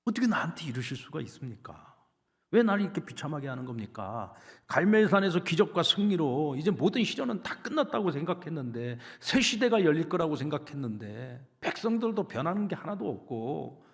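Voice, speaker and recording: Man doing a self-pitying male prophet, aggrieved, pleading, voice pitched up, swinging pitch. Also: vocal fry.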